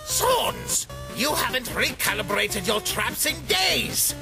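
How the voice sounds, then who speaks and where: A man voicing a pompous, short-tempered skeleton villain, loud, theatrical and gravelly, in a comic dub. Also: extremely high pitch, wildly swooping pitch, slow, heavily acted. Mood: furious bellowing. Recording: music playing behind.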